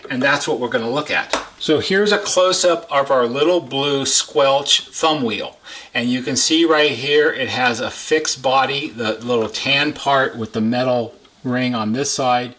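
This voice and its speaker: A man with a bright, forward voice talks through a technical repair in an informal teaching style. He is plain-spoken and goes step by step, restating key points for emphasis. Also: mid-range voice, measured pace. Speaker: repair technician giving a how-to demonstration. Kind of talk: informal instructional explanation.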